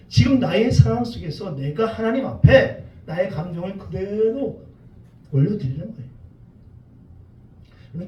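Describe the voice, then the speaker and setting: A male pastor delivers an impassioned sermon, throwing out questions to the congregation and voicing prayers as he preaches. His voice sits unusually high and swings widely in pitch. He is picked up from far off in a reverberant sanctuary with faint background hiss. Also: mellow, lo-fi sound. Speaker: associate pastor. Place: church sanctuary in Toronto. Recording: echoey church room, far from the mic, faint hiss.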